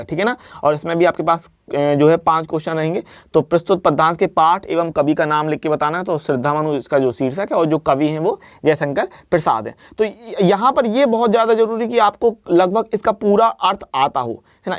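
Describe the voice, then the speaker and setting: A man's voice: high voice, no echo, clean studio sound. A man teaching an exam-prep lesson, explaining answers step by step and often checking in with the listener. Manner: explanatory, repeats "ठीक है ना" often.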